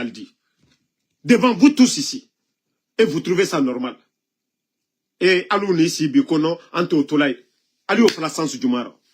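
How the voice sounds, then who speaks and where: A man giving impassioned political commentary, coughing now and then from a cold, scolding and asking pointed rhetorical questions. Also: a little high.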